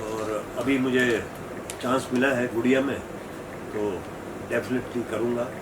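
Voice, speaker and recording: A middle-aged man with a medium-pitched voice talks haltingly and off the cuff as an actor at a press event. He is recorded at a distance with obvious noise. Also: fairly even intonation. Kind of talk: unscripted press event talk. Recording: distant mic, noisy room.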